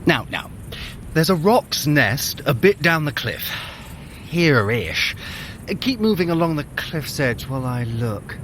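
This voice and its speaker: Glib, animated trickster god. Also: male voice, on the high side, takes it slowly, a little hiss or hum, full character voice. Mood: teasing. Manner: sardonic, wheedling, wordy. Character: glib, cocky male trickster god, smooth-talking schemer. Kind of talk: scripted audio drama.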